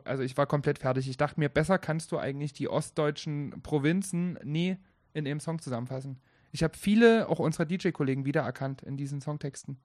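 Man, podcast co-host, joking and teasing, somewhat high voice, dry close mic. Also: no room sound. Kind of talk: casual podcast chat.

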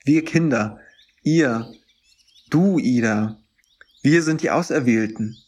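A man's voice: medium pitch, takes it slowly, a little mellow, husky. A man playing a youthful preacher in a German audio drama, speaking with solemn, intense and persuasive conviction. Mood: fervent, assuring. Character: fervent youthful boy preacher, gentle and persuasive. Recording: music under the voice.

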